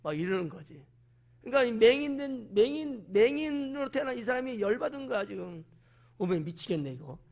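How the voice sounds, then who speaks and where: Male pastor, high-pitched voice, expository evening sermon, acts out voices, questions the congregation. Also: fairly quick, vocal fry. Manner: animated, acts out quoted voices, talks directly to the congregation. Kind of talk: evening service sermon, expository Bible teaching.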